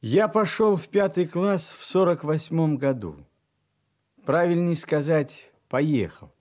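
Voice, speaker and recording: A man reading a first-person literary story aloud for an audiobook, reflective and unhurried, with soft drops in volume. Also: fairly high pitch, animated. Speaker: audiobook narrator.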